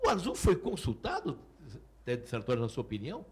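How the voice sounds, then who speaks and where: A Brazilian man with an extremely raspy, lively voice banters on a sports panel. He talks fast, teasing and exclaiming at his colleagues. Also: mid-range voice.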